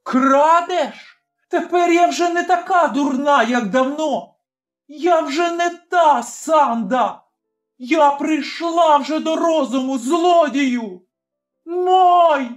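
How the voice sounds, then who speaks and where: A narrator voicing a young village woman who shouts in anger and sobs through her words, in an audiobook. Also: very slow, faint music behind, exaggerated voice. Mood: furious. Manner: shrill, shouting and crying. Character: young village woman, wronged, furious and sobbing. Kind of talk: audiobook character voice.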